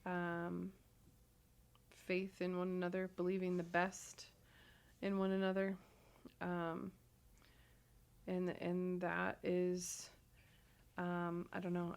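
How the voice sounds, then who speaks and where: A woman in her thirties co-hosting a casual marriage advice talk, agreeing often and filling pauses with ums. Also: lowish voice, flat delivery, clean tone. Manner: agreeable, frequent affirmations and ums. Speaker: podcast co-host.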